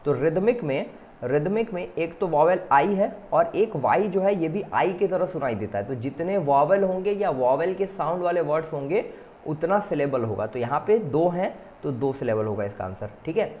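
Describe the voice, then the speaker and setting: Slightly high and animated yet darkish in tone, a male teacher's voice comes through with a little hiss or hum. He slowly reads English questions from an exam-prep paper and quickly explains them in Hindi, calling the students "beta."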